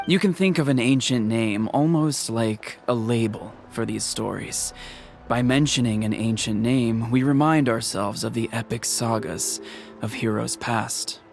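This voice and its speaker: An actor playing a calm, dignified, protective tribal chief in a video game, speaking in a measured, formal way. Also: male voice, medium pitch, gravelly, music in the background. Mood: solemn, explanatory.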